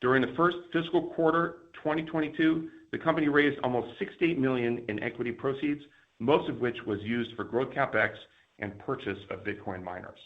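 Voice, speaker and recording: Man, mid-pitched voice, corporate finance presenter, formal, measured, reading prepared remarks, muffled lo-fi call recording. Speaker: company finance executive. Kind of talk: scripted earnings call presentation. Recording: dull, lo-fi conference call audio.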